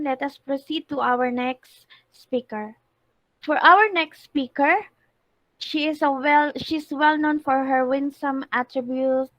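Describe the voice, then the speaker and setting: A woman's voice: high-pitched, no room sound, muffled recording. A woman moderating an international online class, calling on questioners and formally reading out speaker introductions. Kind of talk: formal event hosting.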